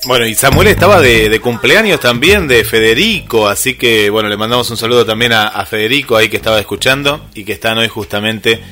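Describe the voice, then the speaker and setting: A man presents on the radio with a bright, forceful voice. He talks quickly and sends greetings to listeners. Faint music plays behind him. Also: medium pitch. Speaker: radio host.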